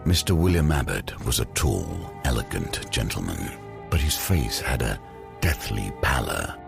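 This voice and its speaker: Extremely deep, gravelly horror narrator. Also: male voice, sing-song, over music, heavily acted. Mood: ominous. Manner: deliberate, dramatic pauses. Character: grave, ominous narrator of a gothic horror tale. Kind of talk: scripted audio drama narration.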